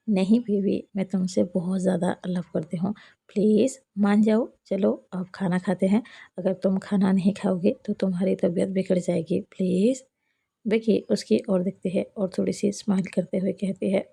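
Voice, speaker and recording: A woman narrates a romance story at an even mid pitch, speaking the characters' lines in her own narrating voice. Her tone is very dark and mellow, with a gravelly, husky grain.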